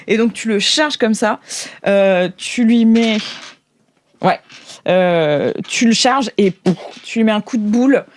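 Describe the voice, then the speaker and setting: A woman's voice: medium pitch, slow pace, a little hiss or hum. Woman running an improvised tabletop game. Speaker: game master. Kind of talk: improvised tabletop roleplay narration.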